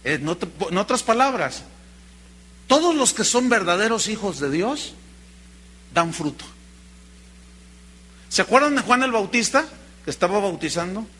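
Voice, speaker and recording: A man with a Mexican accent preaching a sermon, telling stories in an animated way and calling his listeners brother. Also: sits high, normal speed, long pauses. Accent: Mexican Spanish. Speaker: pastor.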